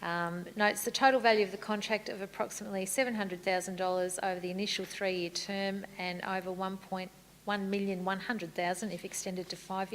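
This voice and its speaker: A woman serving as mayor and chairing a council meeting, moving briskly through formal procedure with light good humour. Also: mid-range voice, a little hiss or hum, low-quality recording. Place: council chamber.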